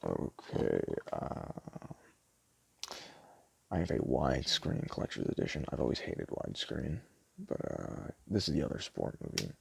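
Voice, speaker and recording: An extremely low-voiced man with heavy vocal fry plays a store clerk in an ASMR roleplay. He talks in an offhand, rambling way and trips over words when reading aloud. There is clear noise on the home recording. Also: big pitch swings, a little slow. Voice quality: gravelly, creaky. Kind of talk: casual ASMR roleplay, chatting and reading movie blurbs aloud.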